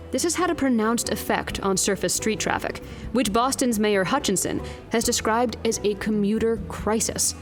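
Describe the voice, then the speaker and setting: A woman playing a wry, exasperated field news reporter in an audio drama, speaking in a crisp, pointed broadcast style. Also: mid-range voice, close to an everyday voice.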